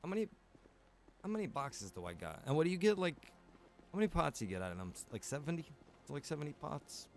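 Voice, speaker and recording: This voice sits on the high side, very animated and fast. The man, a game streamer and server operator, rambles through casual livestream chat with viewers as he plays.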